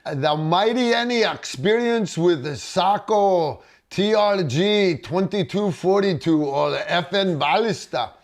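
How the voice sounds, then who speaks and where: Man, middle-aged, livestream host, slightly high voice, enthusiastic, rambling, lots of restarts. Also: expressive, measured pace, few pauses. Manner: rambling with frequent restarts and "uh" fillers. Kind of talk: casual livestream chat reading viewer comments.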